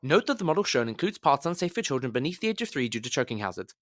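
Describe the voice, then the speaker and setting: Bright, pushed male advert announcer, acted by a man. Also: medium pitch, big pitch swings, very fast. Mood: excitable hype. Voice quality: slightly muddy articulation. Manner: pushed, projected, old-fashioned broadcast delivery. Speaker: voice actor on a demo reel. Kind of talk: commercial voice-over read.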